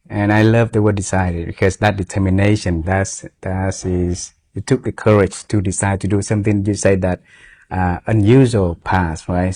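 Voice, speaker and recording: A man's voice: lowish voice, warm tone. A man in his forties with a Vietnamese accent, hosting an interview and speaking earnestly with non-native English phrasing. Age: 40s. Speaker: host.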